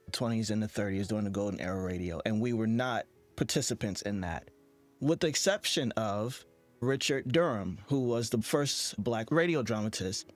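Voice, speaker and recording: A man speaks as the host of an interview. His voice sits at a medium pitch and his delivery is conversational. There is light music behind him.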